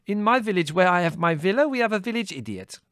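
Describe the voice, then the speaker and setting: A woman's voice: mid-range voice, lively intonation, quick pace, no room sound, voice pushed up, close to an everyday voice. A man reading aloud and voicing a waspish, worldly woman who drawls with arch theatrical flair. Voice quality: arch, drawling, sprinkled with French.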